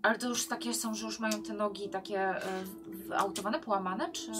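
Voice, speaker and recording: A woman taking part as a player in a tabletop role-playing session, talking quickly and chattily. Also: mid-range voice, over music. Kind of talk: casual chat during a tabletop game.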